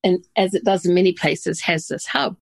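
A woman's voice: fairly low pitch, moderate pace, gravelly, no echo. A middle-aged woman from New Zealand hosting an interview, chatty and enthusiastic. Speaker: interview host. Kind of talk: conversational interview.

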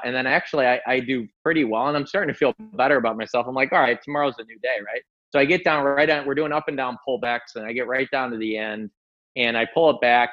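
A young adult man, a golf coach, telling a story as a podcast guest, acting out the lines of the people in it and laughing as he goes. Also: medium pitch. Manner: lively, quotes others in dialogue, laughs often. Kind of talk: animated storytelling. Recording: dull lo-fi sound.

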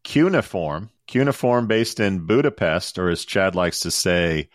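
A man's voice: deep voice, expressive, measured pace, dry recording, clean studio sound. A middle-aged man co-hosting a podcast, reading news items and riffing on them with wry puns and emphatic repetition. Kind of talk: casual banter and news commentary.

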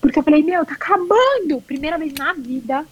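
A woman's voice: high voice, expressive, a little fast, lo-fi sound. A Brazilian woman with a Brazilian Portuguese accent, a marathon runner telling her story in an interview, emotional, repetitive and colloquial, with some swearing.

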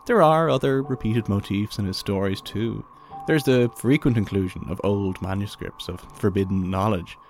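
A man hosting a podcast, reading scripted documentary narration in a measured storytelling way. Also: lowish voice.

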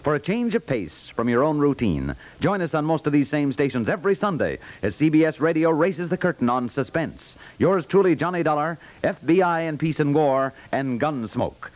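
A man's voice: on the high side, big pitch swings, moderate pace, hardly any pauses. A man with an American accent announcing in a polished, punchy 1950s network radio promotional style. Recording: vintage 1950s radio broadcast.

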